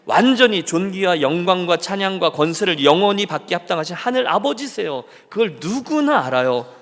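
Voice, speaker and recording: A man's voice: high voice, expressive, fairly quick. A male pastor preaching a sermon and asking his congregation questions as he talks. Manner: acts out quoted lines of people and God. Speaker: senior pastor. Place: church sanctuary. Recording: long church hall reverb.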